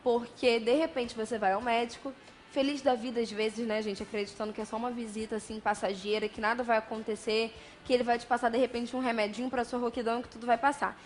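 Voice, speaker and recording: A woman's voice: fairly high pitch, level tone, fast. A woman with a Brazilian Portuguese accent hosting a TV talk show, asking chatty, conversational questions. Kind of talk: studio interview hosting. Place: television studio.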